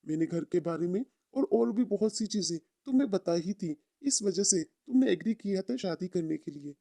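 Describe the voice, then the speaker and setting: Woman doing proud poor young man, lowered pitch, gravelly, sincere, dry storybook sound. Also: animated, normal speed, mellow, no room sound. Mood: firm reproach.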